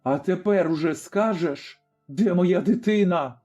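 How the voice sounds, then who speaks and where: A man voicing a stern old Cossack father in a told story, speaking firmly and deliberately. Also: high voice, a little mellow, highs cut off, faint music behind. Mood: grim.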